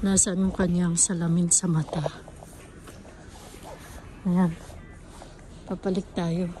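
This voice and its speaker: A Filipino woman chatting casually as a family vlogger and mother, mixing in Japanese and English words. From Philippines. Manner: talks to her children in between narrating, mixing in Japanese and English words. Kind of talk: casual vlog chat. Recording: noisy home-video sound with ambient rumble.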